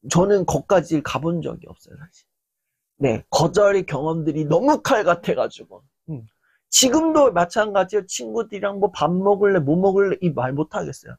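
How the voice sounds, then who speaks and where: Young man, lecturer, casual animated talk, high-pitched, gravelly edge. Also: no room sound. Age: young adult. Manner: animated, acts out quoted reactions.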